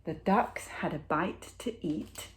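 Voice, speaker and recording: A woman teacher reading a picture book aloud to children, with expressive, deliberate storytelling and dramatic pauses. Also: fairly low pitch, slight background noise.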